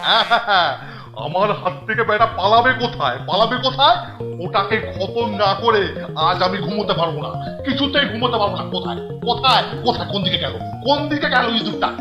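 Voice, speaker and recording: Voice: medium pitch, lively intonation, fast talker, lo-fi sound, lightly acted. An actor playing an irate, flustered male hostel superintendent who repeats words frantically in a cartoon dub. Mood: frantic, blustering. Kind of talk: exaggerated cartoon dubbing. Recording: echoey, music behind.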